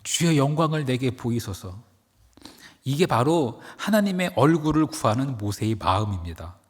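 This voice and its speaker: A male pastor preaches a dawn-service sermon, telling his story with dramatic emphasis. His slightly husky voice swoops up and down, and it rings with the long reverb of a church sanctuary. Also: medium pitch.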